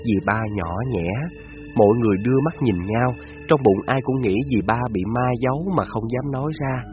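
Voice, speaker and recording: A man, narrating a scripted story in a measured, descriptive way. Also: mid-range voice, highs cut off, faint music behind.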